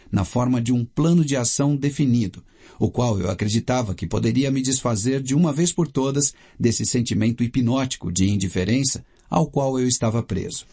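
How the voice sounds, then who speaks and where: A man with a Brazilian Portuguese accent reading a first-person audiobook in a steady, measured way. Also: medium pitch. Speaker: audiobook narrator.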